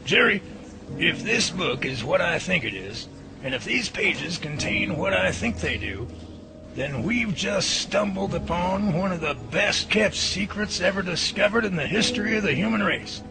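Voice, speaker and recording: A man's voice: sits high, lively intonation, moderate pace, creaky, music in the background. A man playing an enthusiastic professor who researches Bigfoot, talking in a folksy, emphatic way in an amateur radio drama.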